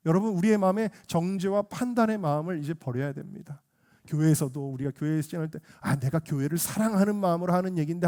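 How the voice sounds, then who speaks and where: Pastor guy preaching sunday sermon, kinda high voice, keeps asking the congregation stuff. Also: mellow. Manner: emphatic preaching, asks the congregation questions. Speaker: senior pastor.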